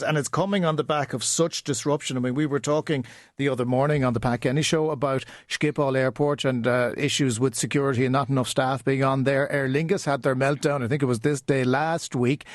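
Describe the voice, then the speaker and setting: A man's voice: mid-range voice, fairly quick, no room sound. Irish male news presenter, close dry sound. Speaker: radio news presenter, interviewer. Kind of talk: live news interview.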